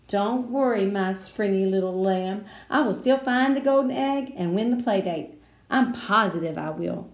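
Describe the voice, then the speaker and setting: A woman's voice: on the high side, animated, normal speed, darkish tone, roomy sound, pitched above the performer's own voice, natural voice. Woman doing a theatrical little schemer boy. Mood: dramatic. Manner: theatrical, conspiratorial.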